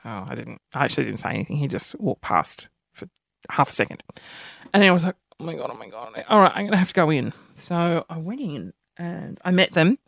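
A man with a high-pitched voice hosting a podcast, telling a story in an animated, self-deprecating way. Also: fairly quick, gravelly, no room sound, studio quality. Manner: animated, self-deprecating, jumps between high and low tones. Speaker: podcast host. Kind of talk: casual storytelling monologue.

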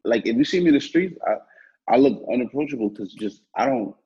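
A man's voice: medium pitch, expressive, brisk, warm tone, slightly rough. A man in his twenties from New York, chatting casually in a loose, slangy, profane way. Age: 20s. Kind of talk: casual interview chat. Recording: muffled lo-fi sound.

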